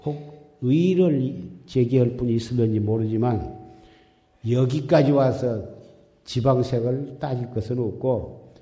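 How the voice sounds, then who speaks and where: A dharma teacher with a medium-pitched, dark-toned voice gives an exhorting Buddhist sermon at a slightly slow pace. He is repetitive and admonishing, and the temple hall echoes with long reverb.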